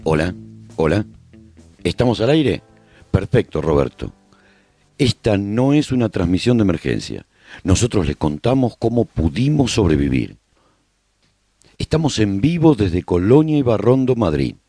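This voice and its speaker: A man's voice: lowish voice, big pitch swings, a little slow, long pauses, mellow, dry recording, faint music behind, full character voice. A man playing a survivor who hosts a radio broadcast, narrating a post-apocalyptic chronicle as a scripted radio serial. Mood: welcoming, urgent.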